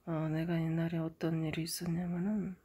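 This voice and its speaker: A middle-aged woman talks through a story as the host of her own channel. Her voice sits low and sounds breathy and husky. Her delivery is dramatic, sinking to hushed murmurs and then rising into sudden loud bursts. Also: little pitch movement, fairly quick. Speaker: channel host interpreting a dream. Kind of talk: casual storytelling monologue.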